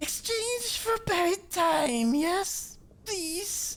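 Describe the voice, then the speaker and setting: A put-on character voice, guttural, wheezy and squeaky, speaks at an extremely high pitch and a very slow pace. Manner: wheezing.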